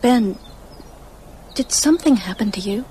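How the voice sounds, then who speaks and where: An actress playing a tender young woman in love, soft and gently questioning, in a radio drama. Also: fairly high pitch, lively intonation, measured pace, slight background noise. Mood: concerned.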